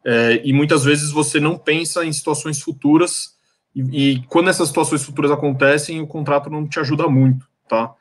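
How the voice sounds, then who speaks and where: A man's voice: a little high, steady tone, a little fast. A Brazilian man, a lawyer turned entrepreneur, talking on a panel in a friendly, hesitant way, tagging phrases with "né?" and "tá?". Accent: Brazilian Portuguese. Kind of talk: panel discussion, conversational.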